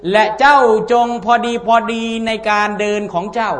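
A man's voice: extremely high pitch, moderate pace, a bit bright, soft background music. A man giving a conversational religious sermon to a congregation, folksy, often asking the listeners rhetorical questions. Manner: chants scripture passages. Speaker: Islamic religious teacher.

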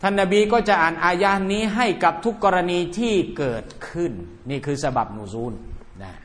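A man's voice: high-pitched, sing-song, moderate pace, a bit bright, in a large hall. A man giving a religious lecture, blunt and colloquial, often calling his listeners brothers. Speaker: Islamic religious teacher.

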